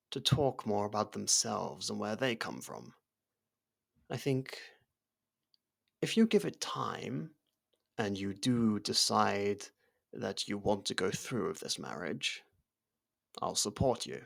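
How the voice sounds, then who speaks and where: Man acting as a gravelly, low-voiced loyal royal servant. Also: animated, slow, long pauses, fairly bright tone, exaggerated voice. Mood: supportive, hesitant. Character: loyal personal servant and dearest friend of royalty, gently teasing. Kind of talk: ASMR roleplay audio drama.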